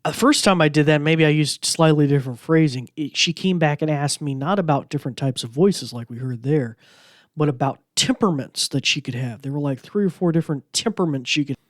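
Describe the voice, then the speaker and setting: Guy podcasting casually, rambly with lots of ums, kinda high voice, dry sound. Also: fairly quick, dry recording. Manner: rambling, lots of fillers and restarts. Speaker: podcast host. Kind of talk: casual tech demo chat.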